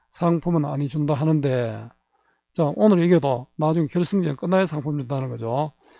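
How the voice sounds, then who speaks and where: A dark, mellow tone in a Gyeongsang accent, with ordinary pitch variation, a dry, close sound with no echo and a quiet background. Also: man. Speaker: Korean language teacher. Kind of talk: lecture explaining a literary text, with read-aloud passages.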